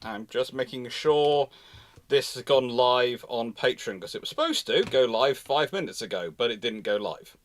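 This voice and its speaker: Guy hosting a live history q&a, medium pitch, chatty, keeps restarting his sentences. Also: lively intonation, moderate pace. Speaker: host of a naval history livestream. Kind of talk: casual live question-and-answer talk.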